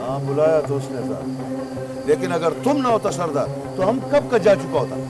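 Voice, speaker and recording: A man's voice: a little high, big pitch swings, moderate pace. An actor playing a proud, offended male chief who speaks bluntly. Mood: indignant. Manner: indignant, blunt. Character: proud touchy tribal chief. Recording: music under dialogue.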